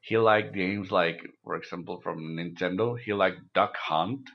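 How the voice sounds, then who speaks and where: Slow, deep-voiced man, native Spanish speaker. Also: steady tone, dull audio. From Mexico. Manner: measured, halting recollection with restarts. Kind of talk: casual conversation.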